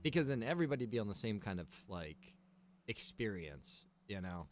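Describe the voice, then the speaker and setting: A man's voice: lowish voice, very animated, moderate pace, slight background noise. A man live streaming a game, talking casually to viewers and thinking aloud in an informal, chatty way.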